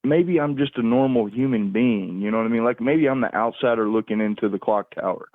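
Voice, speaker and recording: A man calling in to a livestream over a phone, rambling casually in a halting, repetitive way as he searches for words. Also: mid-range voice, no echo. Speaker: call-in caller on a livestream. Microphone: phone call. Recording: tinny, narrow phone-call line, dry.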